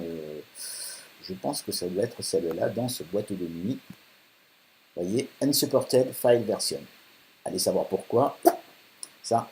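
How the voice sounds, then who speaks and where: A man hosting a casual software tutorial, thinking aloud with many fillers while working on screen. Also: mid-range voice. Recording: faint hiss.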